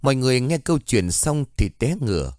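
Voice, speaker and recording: A man narrating a story in an expressive way. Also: medium pitch, brisk, no room sound, studio quality.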